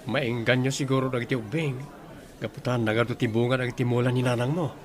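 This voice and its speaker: A man voicing an earnest young suitor in an audio drama, calm and sincere. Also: mid-range voice, fast talker, crowd noise, lightly acted. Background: music.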